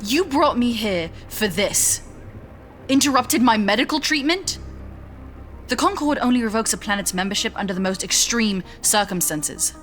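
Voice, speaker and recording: An actress playing a defiant captive scientist in a sci-fi audio drama, coldly blunt, with a cutting, sardonic delivery. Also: female voice, on the high side, expressive, normal speed, fairly bright tone, soft background music. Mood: cold, skeptical.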